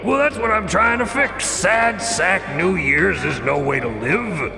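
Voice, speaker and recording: A folksy, impatient barroom grouch, performed by a man, hollering in a high, gravelly voice. The sound is echoey, with loud music underneath, like an audio drama. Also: lively intonation, unhurried, exaggerated voice. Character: good old Joe, gruff hollering cabaret regular, folksy and impatient.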